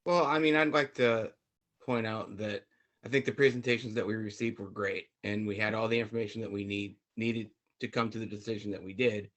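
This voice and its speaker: A man's voice: on the low side, steady tone, a little fast, fairly bright tone. A man speaking earnestly as a committee member at a public meeting, in a conversational way. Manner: earnest, conversational, many fillers.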